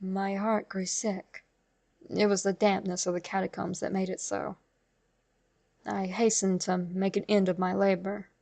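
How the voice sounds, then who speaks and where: A woman reading a classic horror tale aloud in a slow, measured, darkly dramatic way. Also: medium pitch, little pitch movement, vocal fry, a little mellow. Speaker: horror story narrator. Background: faint music.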